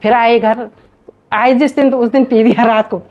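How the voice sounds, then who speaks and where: A woman's voice: fairly high pitch, moderate pace. A woman in her forties from Himachal Pradesh, a guest telling a personal story in casual speech and acting out what her family said. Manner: animated storyteller who acts out family quotes. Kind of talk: casual spoken testimony. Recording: slightly dull, lo-fi sound.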